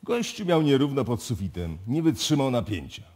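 A man's voice: medium pitch, very animated, moderate pace, a little mellow. An actor playing a crude, flippant, dismissive man in a radio drama, talking in blunt slang. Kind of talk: live radio drama acting.

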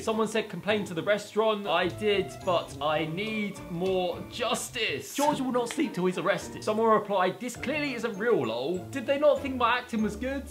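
A young man narrating a casual prank vlog in a bedroom studio, cheekily reading posts in a slow mock-outraged voice. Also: sits high. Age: young adult. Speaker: YouTuber. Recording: background music.

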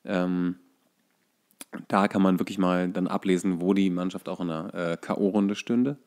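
A man with a somewhat low voice co-hosts an informal sports conversation. He explains his opinions conversationally, working them out aloud as he speaks. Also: steady tone, measured pace, darkish tone. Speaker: podcast co-host. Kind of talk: casual football chat.

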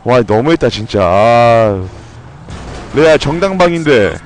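A young man giving loud, excitable commentary while playing a video game, swearing and shouting at what happens on screen. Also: mid-range voice, unhurried, faint music behind, low-quality recording. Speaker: gameplay streamer.

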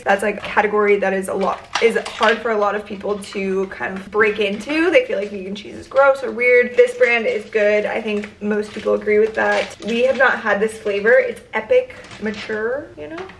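A woman's voice: a little high, distant mic, a little hiss or hum, poor audio. A woman in her twenties, chatting playfully and teasing as she shows off a grocery haul in her kitchen. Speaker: vlogger. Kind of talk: casual vlog chat. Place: home kitchen, indoors.

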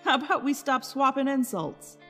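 A woman's voice: high-pitched, normal speed, pushed and bright, soft background music. An actress playing a wary, businesslike woman investigator in an audio drama.

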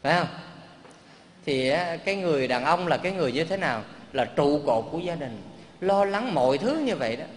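A man's voice: fairly high pitch, lively intonation, brisk. A man, a Buddhist monk giving a sermon, telling a moving story in a conversational, emotional way with rhetorical questions. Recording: long reverb, faint background hum.

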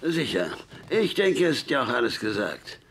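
A man playing a gravelly old gunsmith. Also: mid-range voice, moderate pace, heavily acted. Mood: teasing, delighted. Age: older. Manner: hearty, teasing, rising excitedly. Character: jovial old frontier gunsmith, gruff but fond. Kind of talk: radio play acting.

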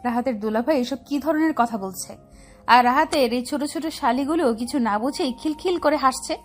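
A woman narrating a scripted family story in a steady, descriptive way. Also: sits high, normal speed, soft background music.

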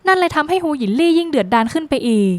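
A woman narrating a scripted drama plot recap in a brisk, lively storytelling manner with dramatic phrasing. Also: sits high, no room sound.

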